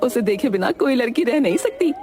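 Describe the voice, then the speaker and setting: A woman's voice: fairly high pitch, lively intonation, brisk, pitched above the performer's own voice, lightly acted. Woman doing a mocking bossy mother-in-law. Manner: mocking, scolding. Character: bossy sharp-tongued middle-aged mother-in-law. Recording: loud background music.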